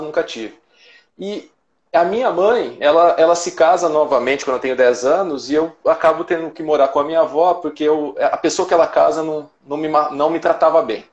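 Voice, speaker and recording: A man's voice: mid-range voice, dull audio. Man telling his story in an echoey room. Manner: personal, reflective, many restarts. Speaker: guest trader. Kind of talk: casual storytelling.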